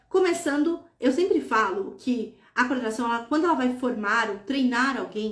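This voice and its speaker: A woman's high voice at a fairly slow pace with ordinary pitch variation and audible room echo. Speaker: school psychologist and educator. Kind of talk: live Q&A stream. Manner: conversational.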